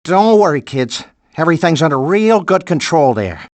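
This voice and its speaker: A woman's voice: low-pitched, very animated, moderate pace, a little mellow, dry recording. A woman voicing a busy, folksy animal mom in a video game, homespun and motherly with an Upper Midwestern accent. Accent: Upper Midwestern American.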